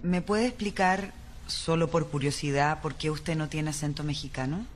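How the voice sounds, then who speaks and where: A woman's voice: low-pitched, fairly even intonation, moderate pace, slight background noise, lightly acted. An actress playing a female doctor questioning a strange patient, speaking in a composed, probing, professional way. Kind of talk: audio drama acting.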